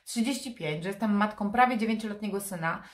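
Female vlogger, 30s. Blocked-nose, nasal sound with a sore throat; candid, casual delivery, medium pitch. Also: fast, reverberant. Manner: candid, confiding. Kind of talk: casual vlog chat to camera. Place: furnished room indoors. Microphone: camera propped in front of her.

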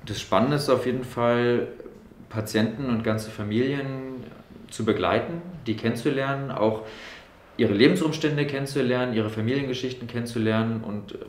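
A man's voice: medium pitch, moderate pace, echoey room. A man in his twenties from Berlin, a medical student answering interview questions thoughtfully, with many fillers. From Berlin, Germany. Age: 20s. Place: room in a doctor's practice.

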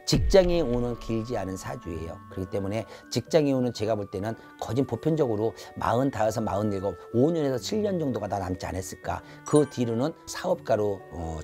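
Low, mellow-voiced man telling fortunes. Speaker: shaman fortune teller. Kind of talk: spoken zodiac fortune reading to camera. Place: indoor shrine room. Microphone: lapel mic. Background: background music.

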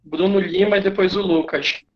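A high voice at moderate pace, muffled in the recording, belongs to a Brazilian man teaching English online via a computer mic on a video call. His accent is Brazilian Portuguese, and he calls on students while joking casually with the class.

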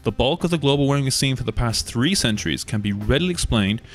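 A man reading a scripted documentary narration in a measured, argumentative way, posing rhetorical questions. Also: mid-range voice, animated, soft background music.

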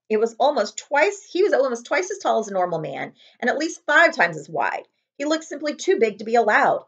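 Female storybook reader, animated intonation, slightly dull lo-fi home recording. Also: on the high side. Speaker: librarian reading aloud. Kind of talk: storybook read-aloud narration. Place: small home room with window blinds.

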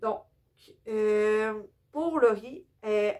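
A woman's voice: mid-range voice, extremely slow, a little mellow. A young woman with a Québécois accent chatting casually about her books in a home vlog, hesitant with many fillers and a bit tired. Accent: Québécois French. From Quebec. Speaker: book vlogger. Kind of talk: casual book haul vlog. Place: indoor room with bookshelves.

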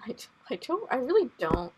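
A woman's voice: on the high side, background noise. Nervous giggly young woman gaming. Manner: nervous, giggly, full of questions. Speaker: gaming streamer. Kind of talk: horror game let's play commentary. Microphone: headset.

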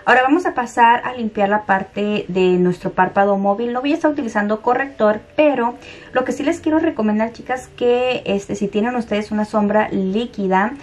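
A woman's voice: fairly high pitch, normal speed. A young adult woman hosting a step-by-step makeup tutorial, chatting to viewers and calling them girls as she demonstrates. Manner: chatty, addresses viewers as "chicas", soft-spoken demonstrating.

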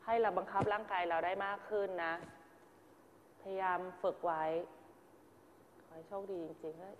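A woman's voice: mid-range voice, steady tone, normal speed, slight background noise. A woman teaching a drama class, giving students direct, corrective notes on their performance. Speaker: acting teacher. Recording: dull, echoey hall sound.

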